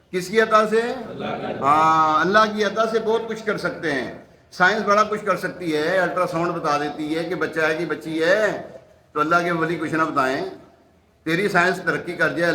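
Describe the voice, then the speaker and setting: A preacher delivers an Urdu religious sermon full of storytelling, acting out the quoted lines and firing emphatic rhetorical questions. His fairly high voice is pushed and bright, and the sound is reverberant.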